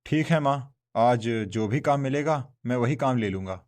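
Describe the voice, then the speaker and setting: A man's voice: medium pitch, lively intonation, moderate pace, darkish tone, natural voice. A man voicing an honest, poor young man in a cartoon, talking earnestly and pleadingly. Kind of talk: Hindi cartoon voice acting.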